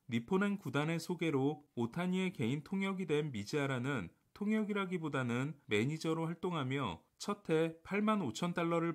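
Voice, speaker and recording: A man hosting baseball news, reading scripted reports in a formal, matter-of-fact way. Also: on the high side. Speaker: sports news host.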